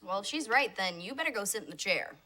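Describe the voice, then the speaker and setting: An actress playing a quick-witted, teasing woman who coaxes and needles in a sitcom style. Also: medium pitch, lively intonation, bright, forceful tone. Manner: wry, coaxing. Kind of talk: sitcom acting.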